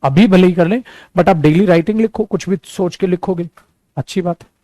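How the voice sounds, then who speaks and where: A lively male teacher from India runs a spoken English lesson, mixing Hindi and English as he talks to his students like friends. His voice sits fairly high, and he drags out each English example sentence slowly so the class can follow. The sound is dry and close, with no room echo. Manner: switches freely between Hindi and English, addresses students as friends. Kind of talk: classroom lesson, explaining at a board.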